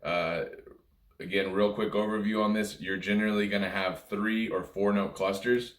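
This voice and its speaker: A man's voice: fairly low pitch, little pitch movement, moderate pace. A man giving an informal music lesson, explaining things step by step in simple, conversational terms, recorded indoors. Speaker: music teacher and video host. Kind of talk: informal instructional talk. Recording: roomy, echoey room sound.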